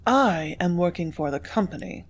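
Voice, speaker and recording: A woman reading the part of a composed young office clerk who answers quietly, firmly and tartly. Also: on the low side, animated, moderate pace. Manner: quiet, firm, tart.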